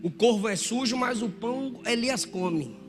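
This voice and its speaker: A man preaching a Pentecostal sermon in a church, animated, often shouting and acting out voices from the crowd. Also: extremely high pitch, a little slow. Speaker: pastor. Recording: church hall reverb with music.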